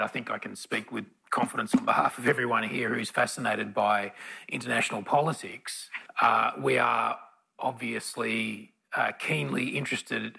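A man's voice: mid-range voice, creaky, sharp tone, husky, low-quality recording. A man moderating a live panel, rambling with frequent restarts. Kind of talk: live event panel chat.

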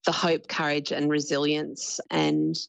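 A woman heading a refugee agency speaks earnestly in a news clip. Her voice is low and heavily gravelly. The sound is dry. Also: level tone, a little slow, no room sound. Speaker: refugee agency chief executive.

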